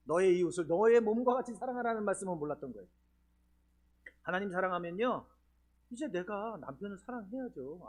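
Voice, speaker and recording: A man preaches a sermon at a church seminar. His voice sits high and swings widely in pitch. He keeps putting rhetorical questions to the people in the pews. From Chungcheong region, Korea. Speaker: pastor. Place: church sanctuary.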